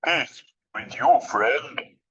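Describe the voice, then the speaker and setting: A man voicing a greedy, inquisitive bear that talks slowly and stammers. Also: mid-range voice, fairly bright tone. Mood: polite curious. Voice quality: slow, hesitant, stammering. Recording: dull lo-fi recording.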